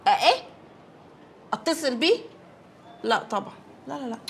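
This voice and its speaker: A woman's voice: high voice, big pitch swings, normal speed, a bit bright, a little hiss or hum, full character voice. An actress playing a proud, stubborn young woman teacher who chats defensively about a suitor in a television drama. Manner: chatty, defensive, comic. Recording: TV drama with faint music.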